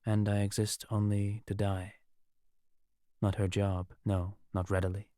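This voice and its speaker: Man playing a low-voiced, menacing mad mage. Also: measured pace, dry recording, clean studio sound, natural voice. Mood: cold, menacing. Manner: odd inflections, sardonic, expressive delivery. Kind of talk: audiobook character acting.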